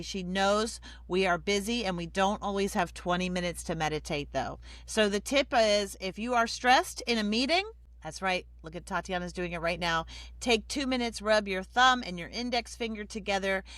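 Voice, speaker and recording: A woman's voice: mid-range voice, a bit bright, dry recording. A woman hosting a live show, upbeat and enthusiastic, chatting casually with many restarts. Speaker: host.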